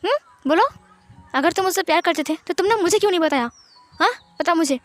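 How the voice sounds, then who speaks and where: A woman's voice: extremely high pitch, expressive, brisk, no echo, soft background music. A woman voicing a fussing, protective mom. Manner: fussing and chiding. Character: protective warm-hearted mother.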